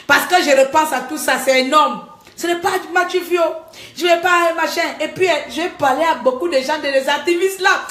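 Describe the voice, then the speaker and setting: A woman talking to her viewers in a live-stream monologue, animated, scolding and joking by turns. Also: high voice, moderate pace. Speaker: livestreamer. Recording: echoey room.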